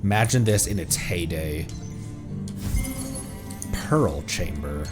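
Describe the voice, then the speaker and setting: A man is streaming a video game with music clearly audible behind him. His voice sits fairly low and swings widely in pitch as he gives casual commentary and reads in-game text out loud. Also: lively intonation, slow pace.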